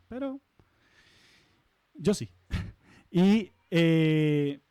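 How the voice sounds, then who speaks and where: High-voiced pastor preaching conversationally. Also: male voice, darkish tone, no room sound. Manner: conversational, asks the congregation questions, light humorous asides. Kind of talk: sermon. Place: church sanctuary.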